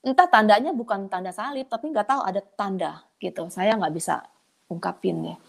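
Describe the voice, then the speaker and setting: A woman sharing a personal testimony in a casual, colloquial way, her voice leaping up when she gets excited. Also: fairly quick, gravelly. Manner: animated, pitch leaping up in excited moments; colloquial, chatty delivery addressing listeners as friends. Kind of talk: conversational testimony storytelling.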